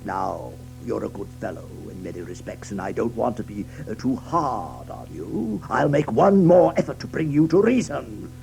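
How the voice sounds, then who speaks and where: A gravelly, authoritative badger, stern and solemn, whose voice swings widely as he lays down the law. It is children's radio drama, with faint music underneath. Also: mid-range voice, big pitch swings, warm tone, low-quality recording. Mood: grave, reasoning. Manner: deliberate, commanding, hesitating with gruff uhs. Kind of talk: children's audio drama acting.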